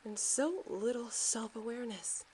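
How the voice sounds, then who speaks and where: A woman's voice: fairly high pitch, a little slow, a little mellow, a little hiss or hum, close to an everyday voice, rough recording. A woman playing a bitter, guarded, sarcastic woman in a sci-fi audio drama, curt and profane. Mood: sarcastic, resentful.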